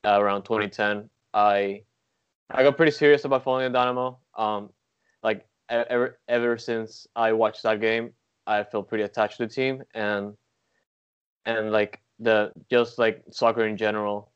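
A young man from Venezuela answering questions on a soccer podcast in an easygoing, filler-filled way. His voice is low and smooth, and it comes through slightly muffled, lo-fi audio. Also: steady tone, moderate pace. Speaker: podcast guest. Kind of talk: casual interview.

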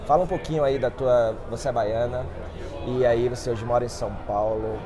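A man hosts a podcast interview in a loose, chatty way. His voice sits at an average pitch. The crowd of a busy outdoor event is plainly heard behind him. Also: steady tone, a little fast, muffled recording. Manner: chatty, informal, with restarts. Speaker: podcast host. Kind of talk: casual interview.

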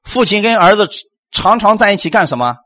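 A man preaching a sermon to a congregation, animated and full of rhetorical questions. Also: high voice, a little fast.

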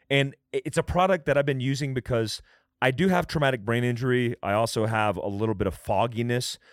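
A man's voice: medium pitch, no room sound. Male host, ad break, casual, personal, dry sound. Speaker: host reading a sponsor break. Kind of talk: casual ad read.

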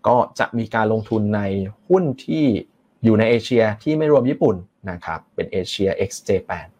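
A man presenting investment funds in a measured, explanatory way, with frequent pauses and polite fillers. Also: fairly low pitch, expressive, darkish tone. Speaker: fund presenter.

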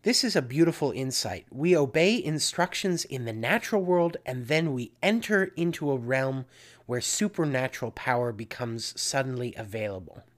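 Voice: medium pitch, lively intonation, normal speed. A speaker giving an earnest spoken Catholic reflection, repeating key phrases for emphasis.

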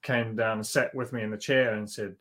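A man's voice: fairly low pitch, fairly even intonation, a little fast, a bit bright. A man on a panel, an actor telling easygoing stories from a film shoot with frequent chuckles. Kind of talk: anecdotal panel storytelling.

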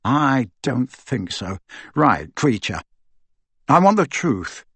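A determined teenage boy wizard, fierce and commanding, with urgent, rising questions, as a man reads him. His voice is lifted and strained above a plain reading voice, slightly husky, in a dry close sound. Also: mid-range voice, big pitch swings, slow pace, fairly bright tone, no echo, heavily acted. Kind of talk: audiobook character voice.

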